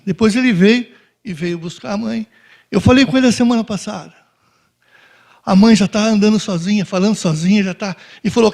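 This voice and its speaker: A man giving a spoken Christian testimony to a dinner audience, telling his story in an animated way and acting out the voices of the people in it. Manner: animated storytelling, acts out dialogue with shifts in pitch. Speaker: guest speaker giving a testimony.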